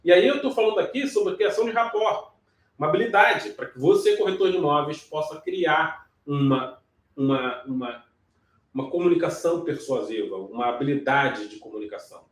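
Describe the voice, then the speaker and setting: A man's voice: on the high side, fairly quick. A man teaching real estate agents sales technique, explaining step by step and checking in often with short questions. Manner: explanatory, frequent check-ins like "ok?" and "certo?", some restarts. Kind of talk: sales training lesson. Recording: echoey room, voice from some distance.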